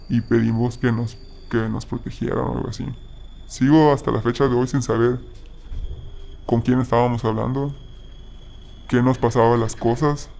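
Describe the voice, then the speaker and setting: Gravelly, flat-voiced man. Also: medium pitch, a little hiss or hum. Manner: halting, with frequent restarts. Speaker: storyteller. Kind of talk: personal story told casually.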